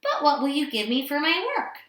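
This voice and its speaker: A woman's voice: high-pitched, animated, fairly quick, fairly bright tone. A woman voicing a funny, theatrical little magical man who bargains slyly in a storybook. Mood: boastful. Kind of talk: storybook read-aloud character voice. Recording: roomy indoor echo.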